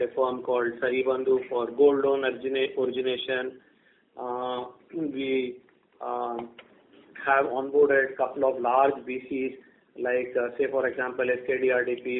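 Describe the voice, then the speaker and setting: Man, Indian accent, halting corporate explainer, fairly even intonation, thin phone-line sound. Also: medium pitch. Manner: halting, hesitant delivery with word repeats. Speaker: bank executive answering analysts. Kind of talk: earnings call answers, semi-formal explanation. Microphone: telephone conference call. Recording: thin, narrow-band phone conference line.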